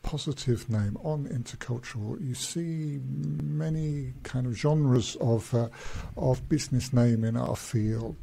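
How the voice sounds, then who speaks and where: Male podcast host, mellow and dark in tone, relaxed and inquisitive. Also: medium pitch, slow, creaky, hardly any pauses, breathy edge. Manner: curious, asks open questions. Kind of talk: casual interview chat.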